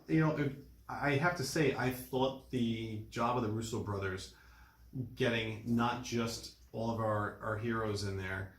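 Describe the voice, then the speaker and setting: A man in a casual film discussion, recapping with restarts and emphatic agreement. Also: mid-range voice. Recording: roomy, echoing room sound.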